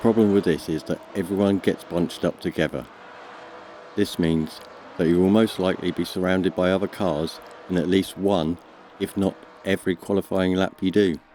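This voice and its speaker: At a moderate pace, a man with a very deep, low pitch speaks with long, frequent pauses over noticeable background noise. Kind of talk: tutorial narration.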